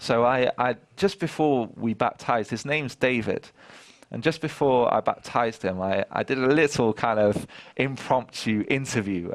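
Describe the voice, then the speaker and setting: An unremarkable speaking voice from a man, medium in pitch, moderately paced, with ordinary pitch variation. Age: 20s. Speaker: assistant pastor. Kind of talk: interview.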